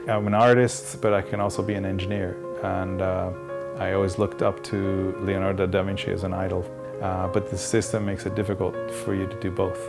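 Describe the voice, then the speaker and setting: A man in his fifties from Iran tells his story in a documentary interview. His voice is very deep with a gravelly edge and stays fairly level in tone. He speaks in a reflective, unhurried way with small restarts, while soft guitar music plays behind him. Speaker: visual effects artist.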